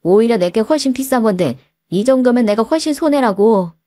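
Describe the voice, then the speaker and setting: A petulant, childish husband in a radio story, voiced by a woman reader, snapping irritably and sulking. The voice is pitched a little above the reader's normal tone and pushed a touch louder, with a dry sound. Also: expressive, a little fast, no room sound, close to an everyday voice.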